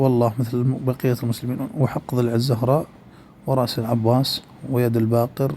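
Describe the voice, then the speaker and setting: A man's voice: medium pitch, mellow, slight background noise. A man delivering a polemical monologue in a rhetorical manner, repeatedly addressing his listeners directly. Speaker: religious polemicist.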